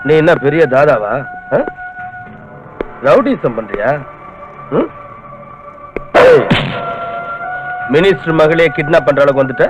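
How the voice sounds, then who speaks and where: An actor playing a hot-tempered police officer who taunts and interrogates aggressively. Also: male voice, fairly high pitch, huge pitch swings, takes it slowly, long pauses, full character voice, poor audio. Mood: bullying. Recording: film soundtrack with clear music.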